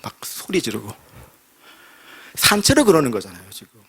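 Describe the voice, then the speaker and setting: A man, a pastor, preaching a sermon with vivid storytelling and rhetorical questions, dropping to a hush and rising again. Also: mid-range voice, wildly swooping pitch, moderate pace, breathy edge. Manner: dramatic storytelling, rhetorical questions, swings between loud and hushed. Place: church sanctuary.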